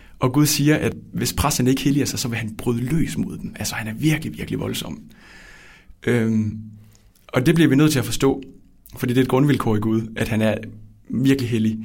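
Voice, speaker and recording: A man at a medium pitch and moderate pace, with ordinary pitch variation, vocal fry, long, frequent pauses and audible room echo. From West Jutland, Denmark. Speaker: teacher-training student. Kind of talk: faith testimony interview. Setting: studio.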